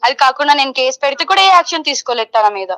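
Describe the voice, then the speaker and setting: A young woman giving her side in a heated phone interview, loud and insistent, often repeating herself and mixing in English. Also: sits high, animated, rapid-fire.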